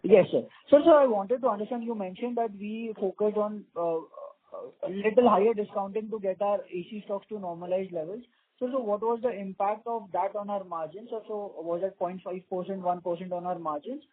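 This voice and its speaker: A man's voice: high-pitched, brisk. A man, an investment analyst calling in, deferential and rambling, saying sir again and again. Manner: deferential, says sir constantly, rambling questions. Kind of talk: earnings call question. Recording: husky voice on a tinny phone line.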